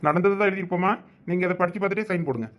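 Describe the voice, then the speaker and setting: A voice actor playing a brisk male police officer in a cartoon, reassuring and businesslike, with a Thoothukudi accent. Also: medium pitch, natural voice. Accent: Thoothukudi Tamil. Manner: reassuring, rapid-fire.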